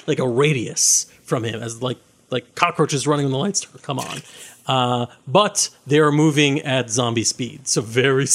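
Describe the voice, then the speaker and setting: A man narrating as game master in a tabletop game, loose and chatty, with many fillers. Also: on the high side.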